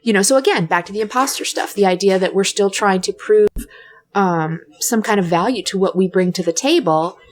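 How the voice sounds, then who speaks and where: A woman co-hosts a relaxed podcast conversation, working through her ideas reflectively. She hedges her points and often restarts mid-sentence with "I mean". Her voice sits at an ordinary middle pitch for a woman. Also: fairly quick. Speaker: podcast co-host.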